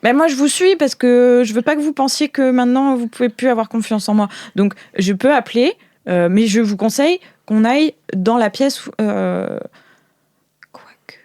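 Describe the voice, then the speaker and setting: A woman's voice: on the high side, normal speed, mellow, no room sound, studio quality. A woman running an improvised role-play as game master, colloquial, hesitant and prone to exclaiming.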